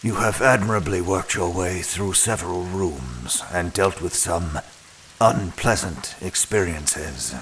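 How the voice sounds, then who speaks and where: A deep-voiced, unhurried keeper of a mysterious manor in an audio drama. He is formal, composed and evasive, weighing every phrase, with rain-like hiss behind him. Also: fairly bright tone, poor audio. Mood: diplomatic. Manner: formal, measured, guarded.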